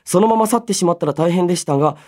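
A man hosting a solo radio show, chatting and reading listener mail in an animated way, slipping between polite announcing and casual asides. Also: sits high, very fast. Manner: animated storytelling with sound-effect words and casual asides.

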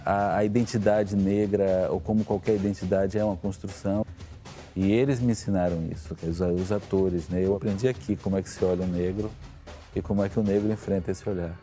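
Deep mellow man, reflective, music behind. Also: steady tone, brisk. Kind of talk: documentary interview. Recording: documentary clip with music behind.

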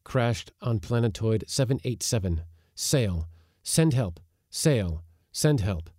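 A man reads the part of a stranded spaceman in a storybook tale. He is excitable and easily contented, repeating short exclamations. The mellow voice swings freely in pitch. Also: takes it slowly, no room sound, studio quality. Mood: relieved, urgent.

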